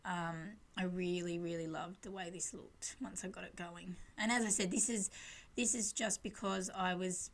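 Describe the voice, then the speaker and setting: A woman giving a casual, chatty and rambling scrapbooking voice-over as the host, with a self-deprecating way of talking. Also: on the low side. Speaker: craft channel host.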